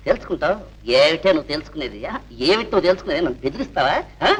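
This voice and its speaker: An actor playing a jealous, bullying husband in 1960s film melodrama, sneering and quick to shout. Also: male voice, fairly high pitch, expressive, natural voice, poor audio. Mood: taunting. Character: bullying, jealous husband who taunts his wife. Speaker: film villain.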